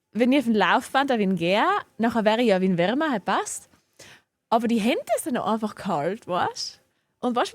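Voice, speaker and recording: This fairly high-pitched, echo-free voice belongs to a young woman with a regional German dialect. She streams a game from her home office, talking casually and often breaking into giggles.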